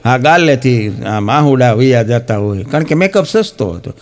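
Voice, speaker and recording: A man's voice: medium pitch, lively intonation, normal speed. A man with a Gujarati accent telling stand-up jokes, acting out the people in his stories. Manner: storytelling, acts out quoted characters. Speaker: stand-up comedian.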